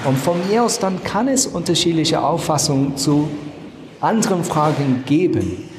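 This man has a fairly high voice and lively intonation, speaking at a fairly slow pace. Noticeable background noise and audible room echo are present in the recording. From London, England. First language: English (speaking German). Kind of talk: interview.

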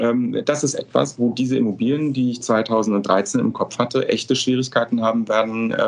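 A man talks at a fairly quick pace and a medium pitch, with fairly even intonation. He has an ordinary speaking voice. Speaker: real estate executive. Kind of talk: interview. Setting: office, remote call.

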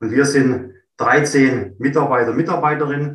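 The speaker is a man with a somewhat breathy voice. Audible room echo is present. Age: 50s. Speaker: biologist and head of a green-building trade association. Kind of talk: expert interview. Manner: hesitant, frequent filler sounds.

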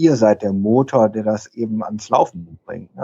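In a dry, close sound with no echo, a man speaks at medium pitch and moderate pace with a dark, mellow tone. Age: 40s. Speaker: business startup coach. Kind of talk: casual interview. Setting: video call. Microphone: Teams call audio quality sometimes poor.

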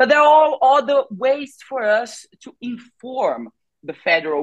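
A woman speaks at a very slow pace in a Portuguese accent. Her pitch moves in very wide swings. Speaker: lawyer and academic. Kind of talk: interview. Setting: remote recording.

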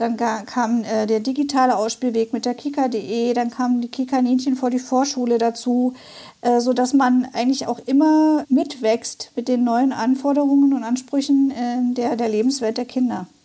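This woman's high-pitched voice has a dark, mellow tone and a monotone, flat intonation at a moderate pace. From eastern Germany, Saxony-Anhalt. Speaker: children's TV programme director. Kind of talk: interview. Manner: frequent filler sounds (äh, ähm).

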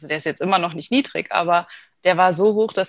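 A woman speaks with an ordinary speaking voice at medium pitch and fairly even intonation. The background is quiet. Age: 30s. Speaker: architect and mother, course participant. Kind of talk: interview, personal testimony.

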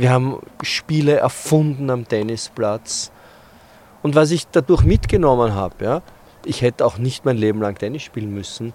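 Speaking at a moderate pace with a medium pitch and ordinary pitch variation, a man uses a normal speaking voice. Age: 50s. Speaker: tennis coach and career coach. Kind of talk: interview, casual chat.

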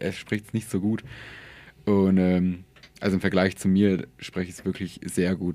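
A man with a very deep, low pitch and a dark, mellow tone speaks in a monotone, flat way, leaving long, frequent pauses. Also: fairly slow pace. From Germany, Nuremberg. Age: 20s. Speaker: interview guest. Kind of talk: casual interview. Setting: radio studio.

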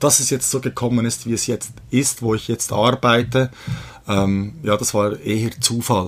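A somewhat breathy, medium-pitched man's voice at a moderate pace, with fairly even intonation. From Switzerland, Bern. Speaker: app product owner. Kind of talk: interview. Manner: hesitant, many fillers.

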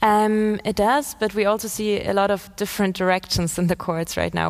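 A woman's ordinary speaking voice at a moderate pace, with fairly even intonation, hardly any pauses and very even loudness. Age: 20s. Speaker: climate activist. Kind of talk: panel discussion.

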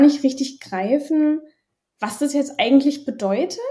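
Her tone is dark and mellow. The woman keeps a moderate pace. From Berlin, Germany. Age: 30s. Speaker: HR manager and mother. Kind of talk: interview. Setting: home office.

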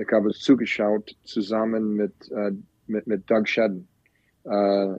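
A man's fairly low voice with monotone, flat intonation. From US, Wisconsin (Green Bay). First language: English (speaking German). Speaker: ice hockey head coach. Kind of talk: interview. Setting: phone call. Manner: halting, many fillers.

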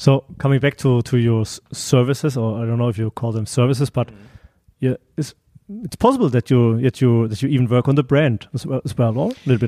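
With a Swabian accent, a man speaks at a fairly quick pace in a dark, mellow tone and fairly even intonation. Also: medium pitch for a man, dry, close sound with no echo. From Stuttgart, Swabia, Germany. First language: German. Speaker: podcast host. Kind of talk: interview. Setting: office.

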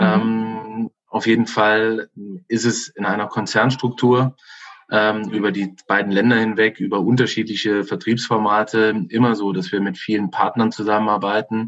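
Monotone, flat intonation at a moderate pace. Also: man, fairly low pitch for a man. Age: 30s. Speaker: retail executive. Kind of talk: interview. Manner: hesitant with frequent fillers.

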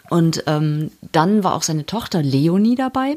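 A woman's voice with a dark, mellow tone. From northern Germany, Oldenburger Münsterland. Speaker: podcast host, radio presenter. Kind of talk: interview.

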